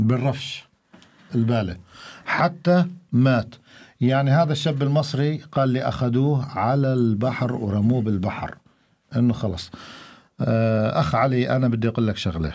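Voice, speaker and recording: Speaking at a very slow pace, a man keeps his loudness very even, with ordinary pitch variation. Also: medium pitch for a man. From Syria, Hama governorate. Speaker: refugee, former detainee. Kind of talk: radio interview testimony. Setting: studio.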